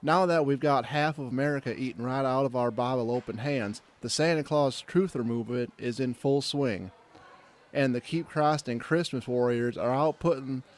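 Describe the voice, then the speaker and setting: A man's voice: medium pitch, lightly acted. A man playing a scheming, sanctimonious conservative Christian with grandiose delivery in a satirical radio drama.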